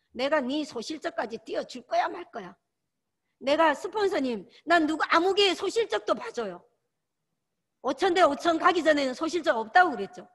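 A woman lectures her sales team in a bright, high voice. Her pitch leaps up and down with animated energy. She drives every point home by saying its key word again and again. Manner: emphatic, repeats key words, exhorting. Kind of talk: motivational training lecture.

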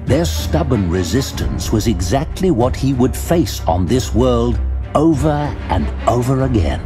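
A man narrating a fantasy tale in a measured, theatrical storytelling manner with pauses. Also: medium pitch. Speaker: audiobook narrator. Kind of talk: dramatic scripted fantasy narration. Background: music.

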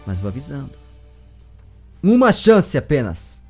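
A man's voice: huge pitch swings, unhurried, husky, faint music behind, full character voice. Brazilian man doing a theatrical temple-guardian knight, menacing, wide swooping delivery. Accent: Brazilian Portuguese. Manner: theatrical, booming riddle-master delivery.

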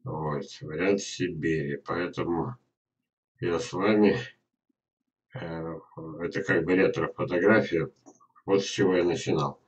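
Older man, very deep voice, informal webinar teaching, drawn-out words, frequent pauses. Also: steady tone, highs cut off. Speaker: gardener presenting an online lesson. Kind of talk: informal instructional webinar talk. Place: indoors in a small dim room at a computer.

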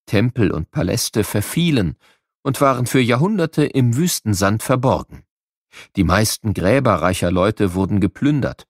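Expressive low-voiced man narrating for children. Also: no echo, studio quality. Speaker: narrator of a children's educational audiobook. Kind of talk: scripted educational narration for children.

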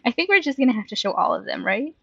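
High-voiced young woman, muffled close mic. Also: big pitch swings, very fast, gravelly, sharp tone, slightly rough, no room sound. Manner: giggly, playful. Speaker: let's play streamer. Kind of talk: casual gaming commentary with a friend.

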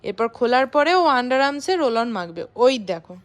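A woman's voice: a little high, lively intonation, fast talker. A woman chatting casually in a family vlog, often coaxing and playing with a small child. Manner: talks sweetly to a small child, coaxing and playful. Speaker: vlogger.

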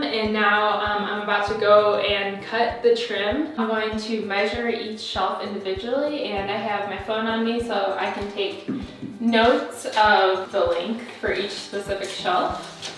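A woman's voice: medium pitch, steady tone, measured pace, a bit bright. A young woman chatting cheerfully about renovating her home office, recorded indoors in a room under renovation. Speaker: illustrator and graphic designer. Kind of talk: DIY renovation vlog. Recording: echoey room with music.

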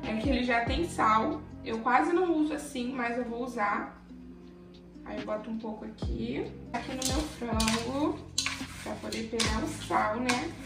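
A chatty young woman with a high voice talks her viewers through a recipe in a home kitchen, affectionate and casual. Her voice rings off the hard kitchen walls, picked up from a step back, with background music running underneath. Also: far from the mic. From Brazil. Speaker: cooking vlogger. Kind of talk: casual cooking vlog. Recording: echoey kitchen from off-mic with music.

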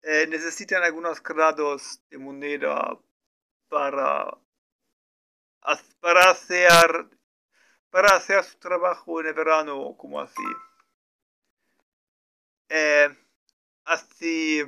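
A man practicing Spanish as a learner, talking slowly through an improvised story with many fillers, restarts and self-corrections. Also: on the high side, steady tone, creaky, bright, forceful tone, clear, resonant tone. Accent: non-native Spanish learner. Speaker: language learner streaming his practice. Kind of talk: halting improvised practice talk.

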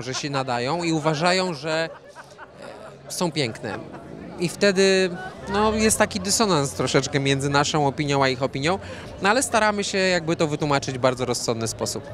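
A man in his thirties answering questions at an outdoor evening gala into a handheld mic, relaxed and rambling with many fillers. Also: on the high side, normal speed, a crowd in the background. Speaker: interview guest, fashion designer. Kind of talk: red-carpet interview. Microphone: handheld reporter mic.

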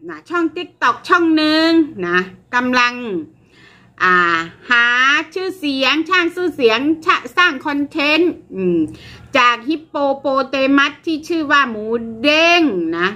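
A woman's voice: sits high, animated, unhurried, bright, forceful tone. An older woman hosting her channel, casually reading and explaining online comments to viewers with lots of fillers. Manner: chatty, addresses viewers, frequent fillers, laughs at jokes. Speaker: channel host.

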